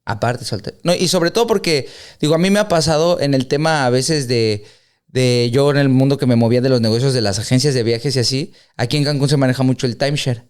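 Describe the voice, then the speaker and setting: A man's voice: medium pitch, a little fast, clear, resonant tone. A man hosting a casual podcast, joking around and asking his guests questions. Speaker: podcast host.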